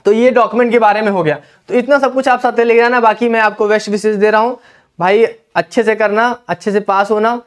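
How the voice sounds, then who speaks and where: Young man, high smooth voice, whiteboard lesson, lapel mic, instructive. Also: fairly even intonation, fairly quick. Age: young adult. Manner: instructive, repeats "ठीक है" often. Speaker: exam coach. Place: indoor classroom at a whiteboard.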